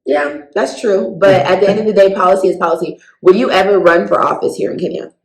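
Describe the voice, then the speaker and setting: A woman's voice: medium pitch, fast talker. An American woman interviewing a guest in a chatty, curious way. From United States. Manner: relaxed, curious, chatty questions. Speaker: interviewer and vlogger. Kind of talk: casual interview chat. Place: room in Kenya. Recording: echoey room.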